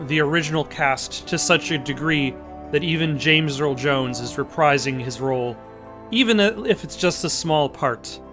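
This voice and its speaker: A man hosting a let's play with casual, improvised commentary, thinking aloud in a halting way. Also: a little high. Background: music.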